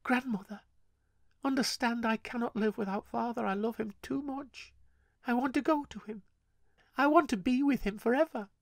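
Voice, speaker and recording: A man voicing a desperate, defiant young girl who pleads in a raised, high voice. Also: normal speed, no room sound, studio quality. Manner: pleading, high and breathy in places.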